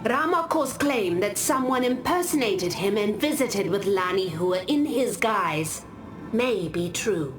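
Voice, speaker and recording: A woman playing a solemn, discreet tribal warrior in a video game, speaking gravely and deliberately. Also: medium pitch, expressive, lightly acted. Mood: solemn, reverent. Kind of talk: video game character dialogue. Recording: loud music behind the voice.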